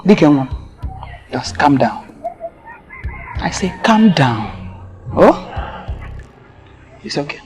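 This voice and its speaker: A middle-aged woman with a Nigerian accent playing a calm, measured mother who soothes a young man. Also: low voice, soft background music, exaggerated voice. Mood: soothing. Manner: calming, measured. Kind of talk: film acting.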